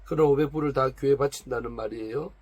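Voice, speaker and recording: A man's voice: mid-range voice, quick pace, a little mellow, husky, dry recording, close to an everyday voice. A man reading as a probing pastor's wife. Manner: questioning, pointed. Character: probing, calm pastor's wife counseling a woman. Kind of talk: reading a story aloud.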